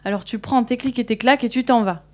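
A woman's voice: fairly high pitch, moderate pace, dark tone, lightly acted. A woman voicing an annoyed little girl in a red hood, scolding and exasperated.

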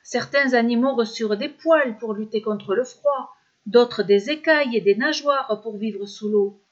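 A woman storyteller reading a serialized children's story in an expressive, measured way. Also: fairly high pitch. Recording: dull lo-fi sound.

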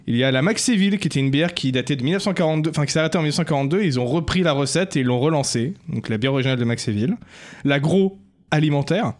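A man's voice: on the high side, lively intonation. A man hosting a casual podcast, enthusiastically presenting beers and reading out their details. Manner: enthusiastic, quick, reads out beer label details. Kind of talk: casual chat.

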